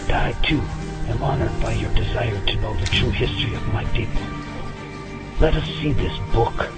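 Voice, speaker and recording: An actor playing a solemn Native American man, a spiritual guardian who speaks in formal, measured phrases in an audio drama. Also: on the low side, gravelly, over loud music. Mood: dignified, guarded.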